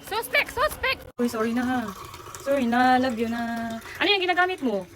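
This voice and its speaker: A woman's voice: on the high side, animated, brisk, fairly bright tone, a little hiss or hum. A woman teasing a friend playfully in a casual comedy skit.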